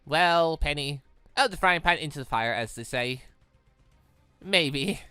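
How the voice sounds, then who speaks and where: Animated, bright-voiced man doing a let's play. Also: fairly high pitch, a little slow, clean tone, dry recording, faint music behind. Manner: animated, stumbles while reading and exclaims at the story. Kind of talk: reading visual novel dialogue aloud with excited reactions.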